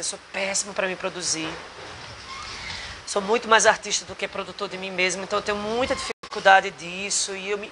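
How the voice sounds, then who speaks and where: In a noisy bar, a man from Rio Grande do Norte, Brazil, speaks Portuguese with a Potiguar accent in a high-sitting voice. He is a singer and actor giving a casual interview, talking earnestly but rambling and restarting often.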